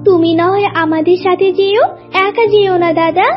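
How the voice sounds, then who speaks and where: A woman voicing a small, insistent cartoon animal with a squeaky, childlike delivery. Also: fairly even intonation, moderate pace. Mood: worried, pleading. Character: small animals: worried mouse, brazen scolding crow. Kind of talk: cartoon voice acting. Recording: dull lo-fi audio, music behind.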